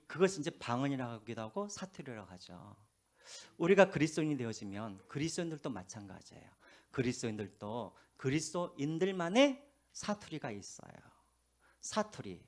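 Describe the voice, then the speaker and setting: Animated male pastor preaching. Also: medium pitch, normal speed. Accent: faint Jeolla. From Korea, Gwangju. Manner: animated storytelling, drops to hushed asides. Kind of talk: sermon. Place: church.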